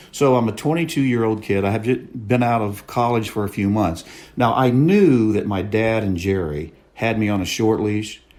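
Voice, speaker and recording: Audible room echo around a male speaker, his pitch varying in an ordinary way. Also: medium pitch for a man, moderate pace. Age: 60s. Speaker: oil and gas geologist and operator. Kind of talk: radio interview.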